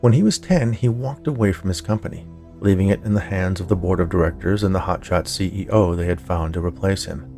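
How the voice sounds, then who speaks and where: A man narrating scripted fiction for a podcast in a measured storytelling way. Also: sits low, gravelly, warm tone, faint music behind. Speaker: podcast narrator, writer and producer.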